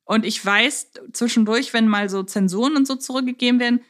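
A woman with a fairly high voice talks casually as a podcast co-host. She speaks in an easy conversational style. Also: a little fast, fairly bright tone.

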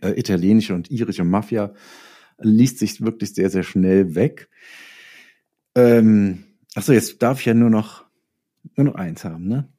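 A man with a soft, dark, fairly low voice. He chats casually as an interview guest, often pausing to search for the next word. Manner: hesitant, searching for words as he goes. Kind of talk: casual chat.

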